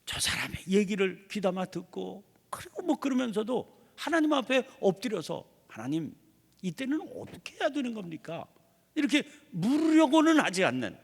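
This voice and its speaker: Gravelly animated preacher man in echoing hall. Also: high voice. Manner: animated preaching, voicing imagined prayers. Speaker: pastor. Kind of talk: early morning prayer sermon. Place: church sanctuary.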